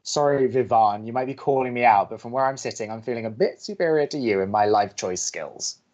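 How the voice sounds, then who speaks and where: An actor playing an earnest, flustered young campus radio co-host who talks with fretful, exasperated emphasis. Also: male voice, medium pitch, fairly quick, a little mellow, highs cut off, natural voice. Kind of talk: bantering audio drama dialogue.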